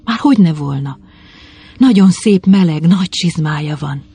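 Reader doing a nun, fervent, coaxing, higher pitch, husky. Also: expressive, mellow. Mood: reassuring. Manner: urgent, coaxing calls. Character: devout nun, woman, fervent and trusting.

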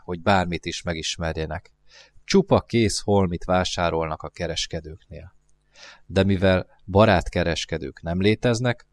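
A man's voice: deep voice, close to an everyday voice. A man voicing a lonely, wistful male fox who talks in an earnest, musing way in a storybook reading.

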